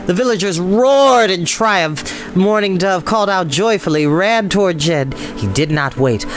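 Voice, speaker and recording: A man reading an adventure novel aloud as a storyteller, in expressive, dramatic narration. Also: on the high side. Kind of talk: dramatic audiobook-style narration. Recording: music behind the voice. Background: background music.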